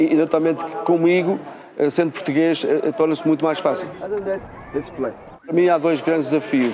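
A man's high-pitched voice moves at a moderate pace while noticeable background noise sounds behind it. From South Africa (Portuguese-born, from Mozambique). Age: 50s. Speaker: football coach. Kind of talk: interview.

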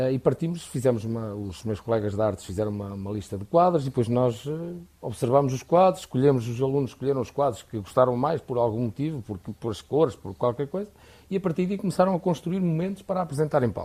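A man speaks very fast with a European Portuguese accent, his voice somewhat breathy and dark and mellow in tone. His medium pitch swings very widely. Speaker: religion teacher. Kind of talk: radio interview. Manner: halting.

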